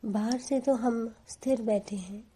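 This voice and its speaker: Slow, very mellow woman guiding meditation. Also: fairly high pitch, husky, rough recording. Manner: calm, soothing, deliberate. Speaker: meditation guide. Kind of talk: guided meditation instruction.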